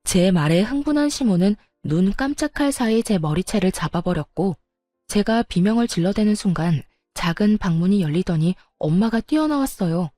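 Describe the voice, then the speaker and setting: A woman tells a first-person story in calm, steady scripted narration. Her voice is warm and mellow, recorded dry and close. Faint music plays underneath. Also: medium pitch, no room sound.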